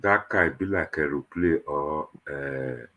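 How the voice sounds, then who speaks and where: A man's voice: rumbling low, measured pace, pushed and bright. A man with a Nigerian accent hosting an online panel show in Nigerian Pidgin, talking to viewers in a casual, rambling, conversational way.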